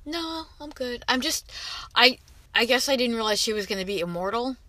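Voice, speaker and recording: A woman chatting about films with blunt, doubting comments in a bright, sharp voice. Her speech is recorded close and dry, with no room sound. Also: fairly high pitch, expressive, normal speed, dry recording. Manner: blunt, skeptical remarks. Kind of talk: casual film discussion.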